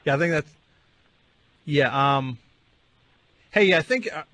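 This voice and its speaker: A man's voice: fairly high pitch, expressive, takes it slowly, sharp tone. Dry, needling male radio host. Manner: dry, needling, patiently correcting. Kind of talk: deadpan on-air interview.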